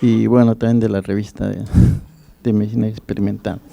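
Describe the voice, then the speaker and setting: A man's voice: lowish voice, level tone, brisk, gravelly, dark tone, no room sound. A middle-aged man, a physician and researcher, commenting formally from the floor at a symposium.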